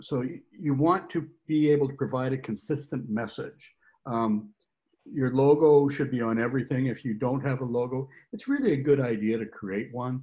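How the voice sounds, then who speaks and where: A somewhat breathy male voice at a moderate pace, with ordinary pitch variation against a quiet background. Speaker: presenter. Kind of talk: lecture. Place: home room. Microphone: video call.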